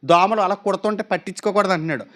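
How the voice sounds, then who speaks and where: High-voiced man preaching. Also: rapid-fire, fairly bright tone. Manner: rhetorical questions to the congregation; acts out quoted voices and anecdotes. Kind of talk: sermon.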